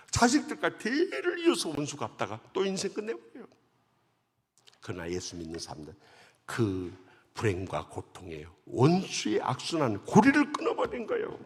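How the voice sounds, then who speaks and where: A middle-aged male guest preacher telling a story in an emotional revival sermon, dramatic and swinging from hushed to loud, heard with long church hall reverb. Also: sits high, husky. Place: large church sanctuary.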